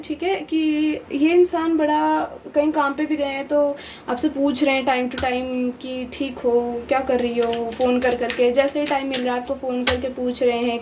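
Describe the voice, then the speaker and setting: A high-voiced woman talks through a casual tarot reading in a chatty, rambling way, slipping English phrases into Hindi. She is a little unwell, which takes some edge off her voice. A faint hiss sits under the recording. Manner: chatty, mixes Hindi and English, frequent fillers. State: unwell, voice slightly off. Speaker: tarot reader.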